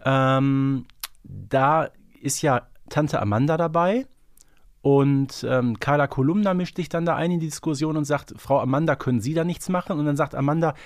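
A man's voice: on the high side, normal speed, no room sound. Male podcaster with a dry, close sound. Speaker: podcast co-host. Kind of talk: casual, knowledgeable fan discussion.

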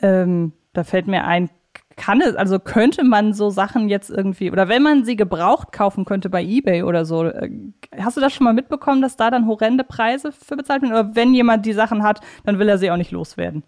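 Woman, average pitch, casual interviewer, informal, thinking aloud. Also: a little fast, darkish tone. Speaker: podcast interviewer, host.

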